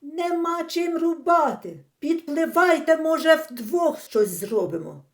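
A woman voicing a frightened, talkative old man fisherman in an audiobook, shouting in a raised, strained voice. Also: sits high, sing-song, slow pace, pitched above the performer's own voice, exaggerated voice. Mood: panicked. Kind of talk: audiobook character voice.

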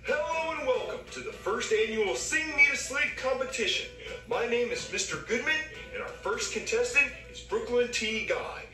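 A man's voice: extremely high pitch, moderate pace, sharp tone, reverberant, far from the mic, faint music behind, low-quality recording. A man voicing a pompous rich man who makes announcements.

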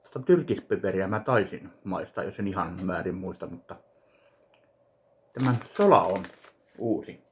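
A man in his thirties from Finland, casually narrating an unboxing of a fan package in his home kitchen, speaking slowly and haltingly to a webcam. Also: low-pitched, slight background noise. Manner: slow, halting, listing items one by one. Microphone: webcam at desk distance.

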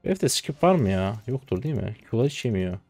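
A man's voice: mid-range voice, very animated, fast, dry recording, faint music behind. Exasperated young man streaming a game. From Turkey. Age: 20s. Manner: exasperated, swings between mutters and loud outbursts. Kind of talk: live gameplay commentary.

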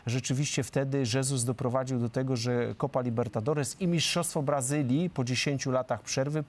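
A man's voice: mid-range voice, fairly even intonation, normal speed, darkish tone. Emphatic middle-aged man in studio. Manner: fluent, emphatic, many hesitation fillers. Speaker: football pundit. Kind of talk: studio discussion. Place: large TV studio.

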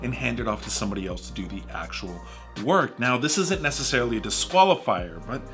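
An animated man in his thirties talks to camera from a small home studio, his voice bright and forceful. His pitch swings widely as he jokes and gestures, with faint music under him. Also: fast. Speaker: home renovation YouTuber. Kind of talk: scripted advice talk to camera.

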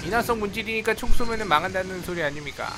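This gaming host rattles off rapid-fire commentary in a high male voice, with the game's audio and background noise behind him. He keeps it casual and playful, exclaiming and talking back at the on-screen characters.

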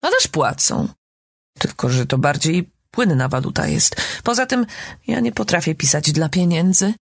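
A woman reading an audiobook, voicing a self-important middle-aged writer who is a mother, with a husky voice and a lofty, theatrical manner. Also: sits low, expressive, moderate pace, dry recording, clean studio sound, heavily acted. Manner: lofty and theatrical, then soothing. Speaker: audiobook reader.

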